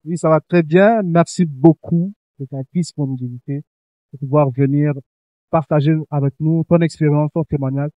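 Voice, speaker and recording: A man raised in Canada hosts a Christian show for youth, exhorting listeners earnestly with many restarts. His slightly high voice keeps fairly even intonation at normal speed, with no room sound but lo-fi audio quality.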